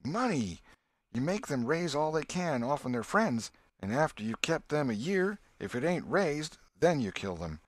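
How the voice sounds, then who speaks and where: A man's voice: fairly high pitch, moderate pace, no echo, pitched above the performer's own voice. A man reading an audiobook, voicing an eager, bossy boy who leads a gang and lectures his friend. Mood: eager, lecturing. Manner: excited, bossy, know-it-all. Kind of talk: audiobook character voice.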